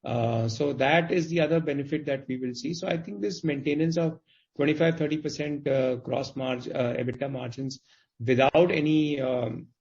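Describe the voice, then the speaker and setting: A man speaking as a company executive on an earnings call, explaining things in a halting, qualified way over conference audio. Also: fairly high pitch, creaky, darkish tone. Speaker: company executive answering investors' questions. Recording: dull, band-limited conference call audio.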